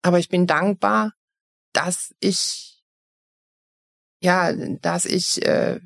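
A woman's voice: lowish voice, very slow, gravelly. Frank Belgian woman from Eupen. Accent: East Belgian German. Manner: frank, reflective, with many restarts. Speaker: guest. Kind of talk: personal interview conversation. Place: Cologne.

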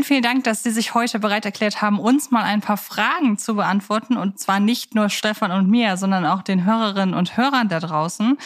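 Woman chatting as a podcast co-host. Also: medium pitch.

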